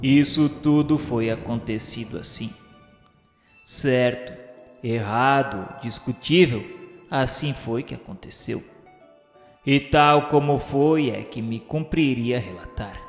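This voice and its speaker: A man with a Brazilian accent playing the remorseful spirit of a blind suicide from the nineteenth century, confessing in solemn, grandiloquent literary monologue for a radio drama. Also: medium pitch. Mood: solemn, reflective. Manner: solemn, grandiloquent, slow declamation. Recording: echoey hall reverb, music underneath.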